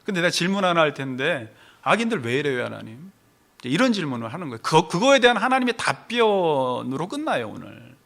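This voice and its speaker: Man, pastor, sermon, high voice, bright and tense, animated. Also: brisk, creaky. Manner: animated, acts out questions to God and complaints from the congregation.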